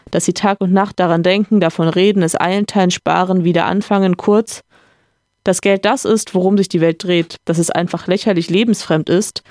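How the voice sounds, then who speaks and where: A podcaster reading a novel aloud, voicing a calm, reflective gentleman who lectures his friend in a slightly raised voice. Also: mid-range voice, no echo, studio quality, natural voice.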